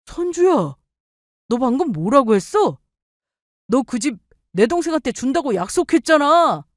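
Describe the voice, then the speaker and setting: A woman's voice: sits high, very animated, unhurried, dry recording, clean studio sound, pitched above the performer's own voice. A woman voicing an eager, pushy young husband with a wheedling manner. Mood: indignant.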